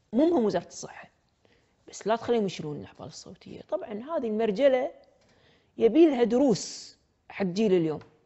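A woman with a Kuwaiti accent speaks with very wide pitch swings and big swings in loudness. She leaves long, frequent pauses against a quiet background. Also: moderate pace. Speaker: TV presenter and arts critic; TV presenter. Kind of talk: casual talk-show commentary. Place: studio. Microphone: lapel.

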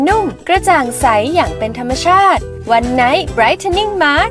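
Clear music plays in the background behind lively intonation in a dry sound with no echo. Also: woman. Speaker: voice-over artist. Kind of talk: TV commercial read. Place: booth.

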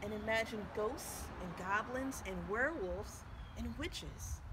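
A woman talks at a very slow pace while noticeable noise fills the background. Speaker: storyteller. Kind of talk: children's story read-aloud. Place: street.

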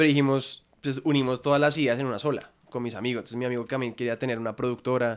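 The speaker goes at a very fast pace in a monotone, flat intonation, with a quiet background. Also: man. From Colombia. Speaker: content creator. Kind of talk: casual chat. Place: studio. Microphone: studio mic.

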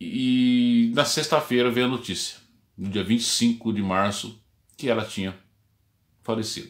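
A man speaks at a very slow pace, leaving long, frequent pauses. His pitch varies in an ordinary way against a quiet background. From Brazil, São Paulo state interior (Vale do Paraíba); São Paulo state, Brazil. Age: 50s. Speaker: teacher and local historian; teacher. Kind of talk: memorial tribute livestream talk. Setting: Facebook live from home study. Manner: hesitant, with many fillers. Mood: reverent, reminiscing. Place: home room. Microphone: webcam.

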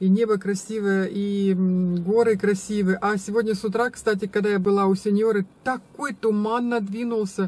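The voice is somewhat breathy, delivered at a moderate pace in a monotone, flat intonation, with very even loudness and a dry sound with no echo. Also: woman. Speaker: vlogger. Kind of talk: casual vlog chat. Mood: slightly puzzled, friendly. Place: car. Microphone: phone near.

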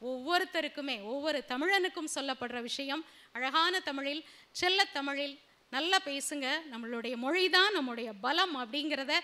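A woman speaks in a raised, projected voice with a bright, sharp tone. Her pitch is high, with ordinary pitch variation. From southern Tamil Nadu, Tirunelveli district village; Tamil Nadu, India. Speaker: radio host. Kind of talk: motivational speech. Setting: college auditorium with student audience. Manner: clear careful enunciation. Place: stage. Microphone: podium.

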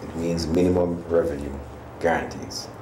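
A very deep, low-pitched man's voice at a fairly slow pace amid noticeable background noise. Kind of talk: interview answer. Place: studio.

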